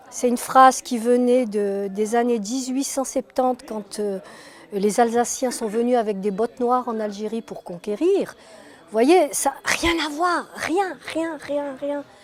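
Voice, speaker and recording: Very slow speech over noticeable background noise. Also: woman. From Algeria (pied-noir). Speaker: participant in an anti-racism event. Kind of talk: interview testimony.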